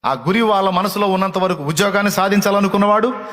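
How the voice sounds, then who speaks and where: A man with a high voice preaches to his listeners, scolding them hard and driving each point home by repeating it over and over. His words ring out with a long reverb from the hall. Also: fast, a bit bright. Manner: scolding, repetitive, emphatic preaching. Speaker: pastor. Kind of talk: sermon.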